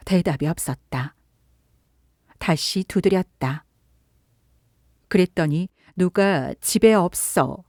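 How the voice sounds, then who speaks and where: A woman narrating a literary story for an audiobook in a calm, measured way. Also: on the low side, no echo, clean studio sound.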